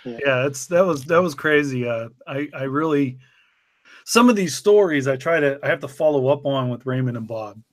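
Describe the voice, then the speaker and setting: A man's voice: mid-range voice, lively intonation, moderate pace, no echo. A man, a writer, rambling in a reflective way about his writing in a casual podcast chat.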